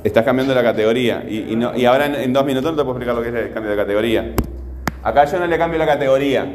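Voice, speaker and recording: A man's voice: medium pitch, very fast, a little mellow. Male teacher, patient, fond of fillers, recorded in a roomy classroom with faint background hiss. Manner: patient, repeats phrases, fillers like "este". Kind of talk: classroom grammar lesson.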